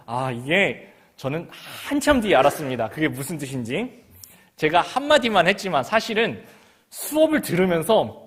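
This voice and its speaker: A middle-aged man from Gangwon Province leads a sermon with a voice that sits somewhat high for a man. He reads the scripture, then shifts into an easy, conversational tone, asking his listeners questions as he talks. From Gangwon Province, South Korea. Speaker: pastor.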